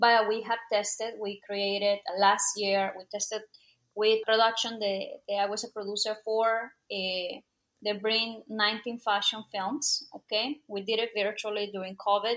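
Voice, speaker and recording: With a Spanish accent, a woman speaks in a fairly high, monotone voice with flat intonation. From outside the US, Spanish-speaking country. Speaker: magazine founder and film producer. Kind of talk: interview. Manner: halting, with false starts.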